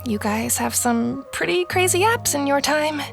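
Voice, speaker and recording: A woman's voice: high-pitched, expressive, a little slow, vocal fry, full character voice. A woman voicing an earnest, idealistic, outspoken sixteen-year-old girl in an audio drama, with a pushy, youthful manner. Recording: music under the voice.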